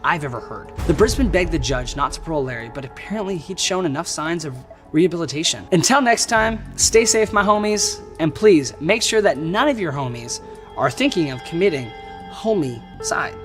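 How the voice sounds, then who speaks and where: A man's voice: a little high, lively intonation, moderate pace. A man hosting a true crime show, narrating casually with wry jokes and slang asides. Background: background music.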